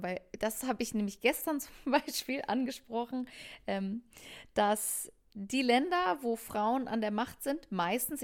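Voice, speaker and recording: A woman's voice: medium pitch, clean tone. A woman from Hamburg, a musician being interviewed, talking thoughtfully with many fillers. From Hamburg, Germany. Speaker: musician guest. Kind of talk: casual interview conversation.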